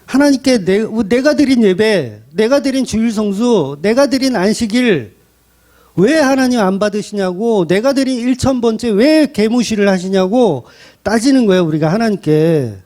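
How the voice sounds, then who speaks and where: A man's voice: high voice, animated, normal speed, mellow. A man pastor delivering a blunt, colloquial sermon full of rhetorical questions.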